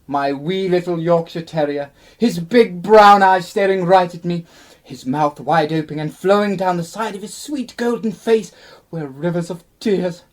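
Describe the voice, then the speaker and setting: A woman's voice: fairly low pitch, darkish tone. A woman playing a vain, easily offended male actor in his twenties, grandiose and melodramatic, in a radio play. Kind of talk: theatrical radio play acting.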